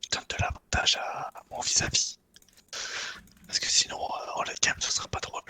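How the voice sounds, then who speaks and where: A man's voice: normal speed, pushed and bright. A man whispering short, slangy remarks as a guest duo partner in a casual gaming session, with some mild swearing.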